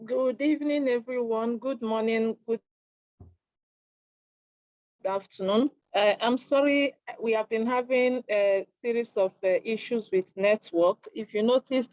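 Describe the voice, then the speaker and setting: A woman's voice: a little high, no echo. Earnest Nigerian woman on a video call. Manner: earnest, measured, slightly hesitant. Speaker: lecturer and NGO director. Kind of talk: formal self-introduction on a call. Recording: dry lo-fi call audio.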